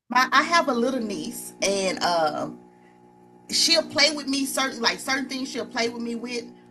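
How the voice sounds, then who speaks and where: Music in the background behind a woman's high voice, at a moderate pace with ordinary pitch variation. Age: 40s. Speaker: talk show host. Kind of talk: casual chat.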